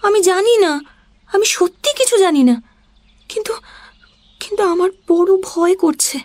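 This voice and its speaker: Very high-pitched young queen, dry close sound, frightened and pleading, as a male narrator puts her on. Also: animated, measured pace, a little mellow, no room sound. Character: gentle timid young queen, innocent. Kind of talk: audiobook character voice.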